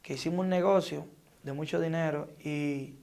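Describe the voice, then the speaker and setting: A man's voice: a little high, fairly even intonation, normal speed, gravelly, a little mellow. A man giving a fervent, dramatic testimony as an interview guest, acting out his story with sound effects. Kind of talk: emotional testimony.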